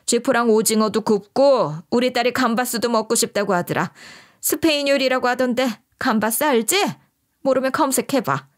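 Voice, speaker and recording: A woman's voice: on the high side, moderate pace, close to an everyday voice. A woman voicing a bossy, scornful middle-aged mother-in-law who barks orders and scolds. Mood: commanding. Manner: harsh, scolding, shouting.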